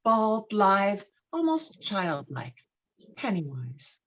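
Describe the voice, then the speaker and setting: A woman's voice: mid-range voice, wildly swooping pitch, slow, fairly bright tone. A woman reading screenplay stage directions as dramatic scripted narration. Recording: slightly dull, lo-fi microphone.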